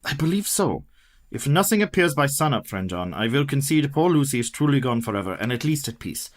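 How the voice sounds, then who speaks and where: An actor playing a methodical older professor hunting a vampire, speaking in a formal, measured way. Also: male voice, medium pitch, sing-song, close to an everyday voice. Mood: grave. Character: Professor Van Helsing, methodical older male vampire hunter. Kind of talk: community radio play acting.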